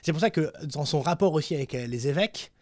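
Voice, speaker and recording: A man's voice: a little high, expressive, fast talker, darkish tone, no room sound, studio quality. A man hosting a panel discussion, talking casually with many hesitations and restarts. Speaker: panel host.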